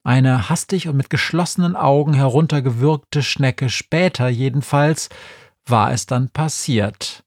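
A man narrating a children's audiobook in a wry, deadpan storytelling manner. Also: mid-range voice, a little slow, no echo, studio quality.

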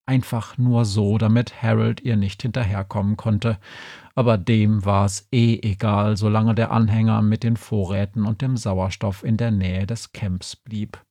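A man's voice: fairly low pitch, little pitch movement, a little slow, warm tone, no echo. Man reading a humorous story.

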